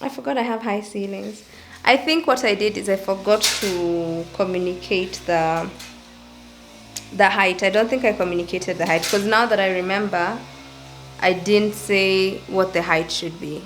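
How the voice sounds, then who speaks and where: A young woman vlogging casually at home, rambling and thinking out loud as she talks. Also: mid-range voice, moderate pace, background noise. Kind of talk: casual vlog chat. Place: at home, indoors.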